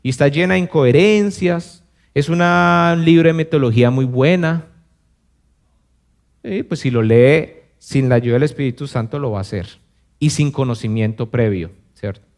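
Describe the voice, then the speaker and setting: A man pastor preaching a sermon in a conversational way, asking the congregation rhetorical questions and briefly acting out other voices. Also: moderate pace. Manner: acts out other voices with dramatic pitch swings. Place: church service. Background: soft piano.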